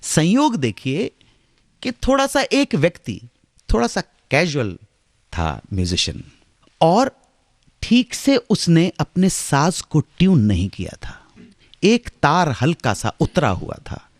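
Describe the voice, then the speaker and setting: A middle-aged man hosting a radio show, telling stories in a dramatic way that swings from hushed asides to loud exclamations. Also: fairly high pitch, wildly swooping pitch, slow, dry recording, clean studio sound. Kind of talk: storytelling radio narration. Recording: radio broadcast with faint music underneath.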